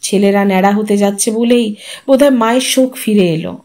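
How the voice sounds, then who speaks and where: A woman narrating a short story aloud in a calm, measured audiobook style. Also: medium pitch.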